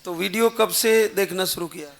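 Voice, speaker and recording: A man with a fairly high voice hosts a devotional show. He puts short, leading questions to his guests and congratulates them warmly on their blessings. His voice sits high in the male range. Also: normal speed, vocal fry. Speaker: host of a devotional program.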